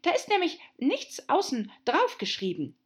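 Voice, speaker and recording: A woman's voice: high-pitched, wildly swooping pitch, unhurried, pitched above the performer's own voice, full character voice. A woman voicing a nervous male white rabbit who stammers and fusses in a storybook reading. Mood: flustered. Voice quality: stammering, flustered.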